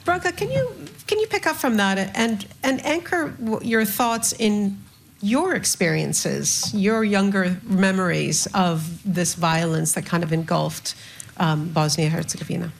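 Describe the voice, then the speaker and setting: A woman moderating a panel discussion who asks deliberate, probing questions. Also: mid-range voice, creaky.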